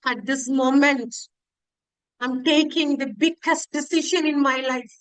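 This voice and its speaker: A woman leading a guided spiritual meditation and prayer in a pleading, devotional way with drawn-out phrases. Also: high-pitched, steady tone, dry recording, poor audio.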